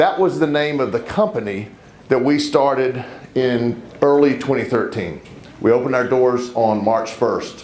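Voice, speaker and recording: Speaking with a Southern US accent, a man at medium pitch keeps a moderate pace, ordinary pitch variation and very even loudness, with noticeable background noise and audible room echo. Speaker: real estate broker. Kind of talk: conference talk. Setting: stage with audience.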